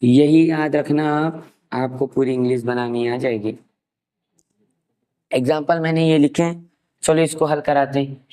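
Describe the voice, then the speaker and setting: A man's voice: fairly high pitch, steady tone, unhurried, long pauses, dark tone, low-quality recording. A young man from India with an Indian accent, teaching English grammar in an online class, explaining step by step and dictating examples word by word. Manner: mixes English terms into Hindi explanation.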